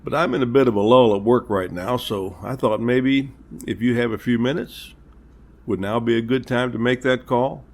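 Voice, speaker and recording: A man playing a polite, reassuring police captain, speaking in a measured, earnest way in an amateur audio drama. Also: mid-range voice, a little mellow, natural voice. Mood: friendly. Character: courteous, reassuring male small-town police captain.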